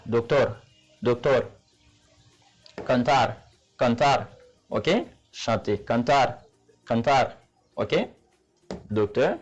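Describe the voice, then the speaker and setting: Brief: Haitian male teacher at a middle pitch, drilling examples slowly, faint music underneath. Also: darkish tone. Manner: patient, repetitive, checks in with "Ok?" and repeats words slowly. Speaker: Spanish teacher. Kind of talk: spoken language lesson.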